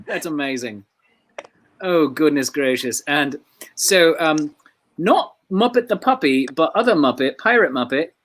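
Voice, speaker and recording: A woman's voice: low-pitched, expressive, unhurried, a little hiss or hum. A woman hosting a casual live-stream chat from a porch, bubbly and easily delighted. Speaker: host.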